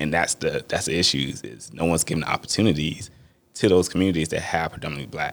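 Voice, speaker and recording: With an American accent, a man speaks in a very deep, low pitch marked by vocal fry. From Mississippi, US South. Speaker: military veteran and entrepreneur. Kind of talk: interview chat.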